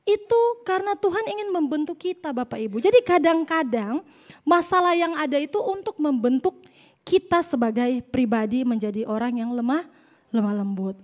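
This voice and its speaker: High-voiced woman preaching. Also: moderate pace. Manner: lively storytelling, jokes with the congregation. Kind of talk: sermon.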